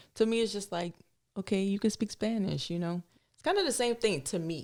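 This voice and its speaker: Speaking at a fairly quick pace, a woman with a New Orleans accent holds a medium pitch. Her loudness swings widely. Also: ordinary pitch variation, very clean recording, silent background. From New Orleans, US South. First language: sign language. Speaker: podcast host's wife, luxury retail sales associate. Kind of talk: casual chat.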